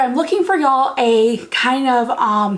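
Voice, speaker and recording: Noticeable background noise is present. Over it, a woman speaks at a high pitch. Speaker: beauty vlogger. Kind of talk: casual chat. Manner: chatty.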